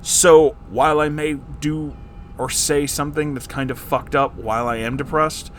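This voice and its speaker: A man's voice: fairly high pitch, steady tone, moderate pace, a little hiss or hum. A man hosting a story reading, giving candid casual commentary in an emphatic, blunt, sweary way. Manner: emphatic, blunt, profane asides. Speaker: host reading and reacting to listener-submitted stories.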